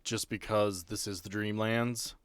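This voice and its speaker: A man's voice: on the low side, level tone, measured pace, a bit bright, smooth, no echo. A man running a tabletop game as game master, narrating and explaining the rules in a conversational way. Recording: music behind the voice. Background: background music.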